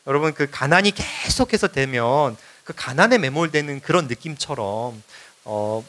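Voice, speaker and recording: A man preaching a Sunday sermon as a visiting missionary, telling his story in a conversational way and rising to loud exhortation. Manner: builds to loud, high-pitched exhortation in the close. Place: church sanctuary.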